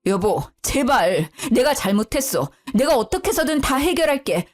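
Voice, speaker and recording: A guilty husband begging his wife not to tell anyone, as a woman narrator puts him on. The voice sits a little high and moves a lot. Soft music plays faintly behind. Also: big pitch swings, moderate pace. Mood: pleading. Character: pleading grown son, a guilty husband.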